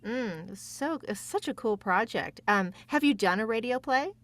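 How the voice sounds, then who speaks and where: A woman's voice: on the high side, expressive, normal speed, a bit bright. A woman chatting casually as a podcast guest, effusive and emphatic in the way she talks. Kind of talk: casual chat.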